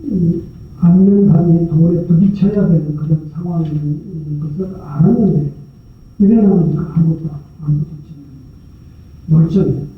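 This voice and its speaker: In a large temple prayer hall, a Buddhist monk with a fairly high voice at a moderate pace delivers a sermon, telling a story in a loose, conversational way and asking rhetorical questions. The recording is tinny and very echoey, with a distant mic.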